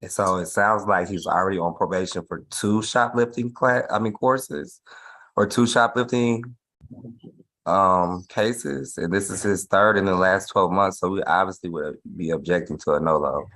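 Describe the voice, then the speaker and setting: A man prosecutor who is hoarse from a cold, making a formal objection in court. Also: low voice, moderate pace, a bit bright, rough recording. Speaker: state prosecutor. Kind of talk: courtroom argument.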